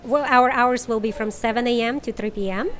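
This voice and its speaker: A woman's voice: a little high, fairly quick, a bit bright. A woman from Ukraine, a cafe owner, answering a reporter's questions outdoors on a street in a friendly, earnest way.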